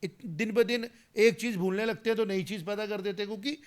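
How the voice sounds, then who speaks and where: A high-pitched man in a political interview. He argues emphatically and drops English phrases into his talk. His voice climbs and turns heated as he presses his points. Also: fairly quick. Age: 40s. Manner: emphatic, rising to heated argument; mixes English phrases into speech. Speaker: guest commentator.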